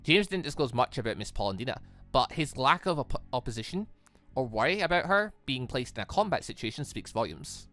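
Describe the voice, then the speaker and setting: A gamer voicing a calm, cryptic male headmaster. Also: mid-range voice, faint music behind, pitched below the performer's own voice. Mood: calm, knowing. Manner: measured, philosophical, unhurried. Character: calm, cryptic headmaster, measured and knowing man.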